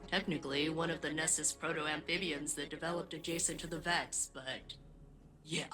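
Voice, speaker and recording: A woman voicing a chipper, literal-minded female ship AI in a video game, with prim, precise phrasing and deadpan asides. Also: low voice, moderate pace. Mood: cheerful deadpan. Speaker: game character.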